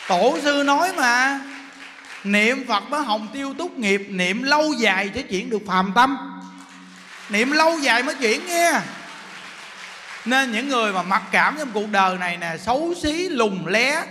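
A man's voice: very high-pitched, lively intonation, unhurried, sharp tone, long reverb tail, a little hiss or hum. A man, a Buddhist monk giving a joking, story-filled dharma talk. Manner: joking, storytelling, laughs often.

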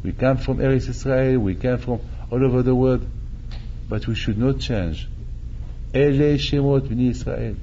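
A man's voice: medium pitch, fairly even intonation, unhurried, dark tone, highs cut off, a little hiss or hum. An older man, a rabbi, preaching animatedly, repeating phrases and acting out quotes, speaking into a stand mic in a synagogue hall. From Morocco. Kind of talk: sermon. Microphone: stand mic at chest.

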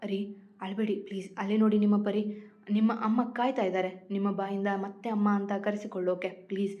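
A woman voicing a gentle young wife who soothes and pleads, in a storybook reading. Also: mid-range voice, level tone, a little fast, lo-fi sound, natural voice. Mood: pleading. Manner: soft pleading, consoling.

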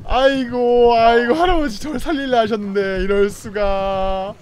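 A man streaming a game, commenting excitedly with loud outbursts and frantic repeated words. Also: very high voice, normal speed. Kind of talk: excited live gameplay commentary.

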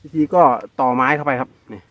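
A man with a Northeastern Thai accent narrating a casual outdoor vlog while he harvests wild bee nests, exclaiming excitedly and calling his viewers brothers and sisters. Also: medium pitch, fast talker, dry recording. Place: outdoors in rural scrubland.

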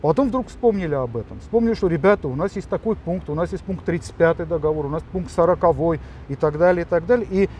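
A male lawyer with a high voice gives interview answers quickly. He explains step by step and keeps catching on fillers and restarts. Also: a little mellow, slight background noise.

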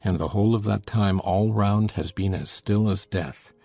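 A man playing a tall, dark, brooding stranger with a deep gravelly voice in a dramatized novel. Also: moderate pace, no echo. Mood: brooding, intense. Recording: music under the voice.

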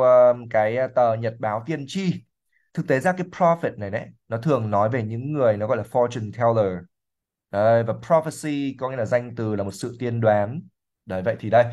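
In this livestream reading lesson, a male English teacher explains vocabulary, slowly repeating each word while thinking aloud with filler sounds. His voice is medium in pitch.

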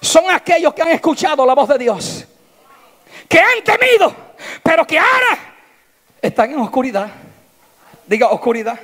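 Very high-voiced impassioned male pastor. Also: sing-song, normal speed, long pauses. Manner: impassioned preaching that swings from shouts to hushed tones. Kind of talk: sermon.

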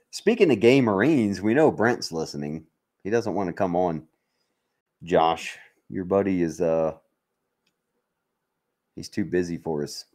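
A low, slightly mellow voice belongs to this Mississippi man, an American military veteran who runs a livestream. He talks casually with viewers in a joking, bantering manner, blunt and quick to swear.

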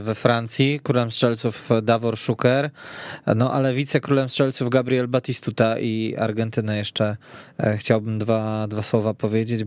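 A man hosting a sports discussion on a radio show, phrasing things hesitantly with frequent pauses. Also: lowish voice, darkish tone, smooth, no echo. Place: radio studio.

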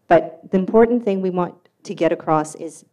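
A woman's voice: fairly low pitch, moderate pace, warm tone. A woman giving an enthusiastic, upbeat conference talk in a hall. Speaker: security conference speaker.

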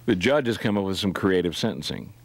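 A man's voice: low-pitched, lively intonation, fast, dry recording. A middle-aged man hosting talk radio in a casual, joking, conversational way, close on a studio microphone. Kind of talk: casual live radio banter. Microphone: close broadcast microphone on boom.

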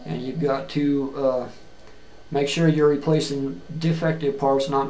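A middle-aged man giving a plain-spoken, earnest video resume, halting often with fillers and restarts, recorded on a webcam in a small room. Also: mid-range voice, darkish tone, slight background noise. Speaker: job seeker. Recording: echoey room with faint ambience.

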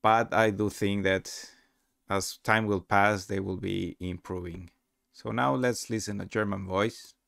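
Low, gravelly man presenting a demo. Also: steady tone, measured pace, fairly bright tone, dry recording, clean studio sound. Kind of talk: casual screen-recorded tutorial narration.

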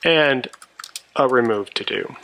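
A man's voice: mid-range voice, slow, vocal fry, pushed and bright, slight background noise. A man narrating a programming tutorial in a methodical, explanatory way. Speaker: programming instructor. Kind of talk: tutorial narration over a screencast.

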